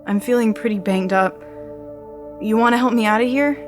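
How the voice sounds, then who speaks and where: A woman's voice: a little high, moderate pace, music in the background, lightly acted. Woman playing a wry, battered young searcher. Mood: weary, wry. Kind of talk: audio drama acting.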